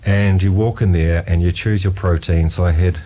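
A man recounting a food trip in a relaxed, animated storytelling way. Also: deep voice, normal speed. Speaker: guest. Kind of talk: storytelling chat.

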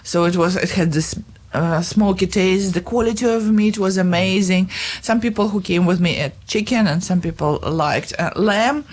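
A woman's voice: on the low side, normal speed, few pauses, darkish tone, husky. A woman hosting a casual chat, talking in a playful, easygoing way. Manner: chatty, playful, laughs easily. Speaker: radio host.

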